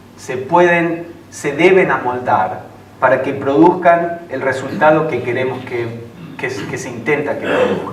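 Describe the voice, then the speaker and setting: A man talks at a fairly slow pace with a fairly high pitch and big swings in loudness. Noticeable background noise and audible room echo fill the recording. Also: ordinary pitch variation. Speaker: lecturer on theosophy and meditation. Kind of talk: lecture. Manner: halting, many repetitions.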